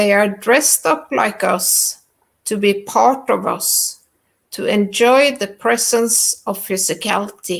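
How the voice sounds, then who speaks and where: A woman talks with a Norwegian accent at a very slow pace. Her pitch sits fairly high. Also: ordinary pitch variation. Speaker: spiritual group council member. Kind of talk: reading aloud teaching text. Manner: paced in short segments for interpreter.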